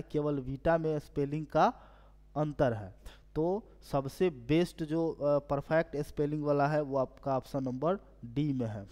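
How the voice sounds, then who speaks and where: A man's voice: on the high side, mellow. Man teaching in a reverberant room. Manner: explanatory, reads English questions slowly then explains. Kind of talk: exam prep lesson.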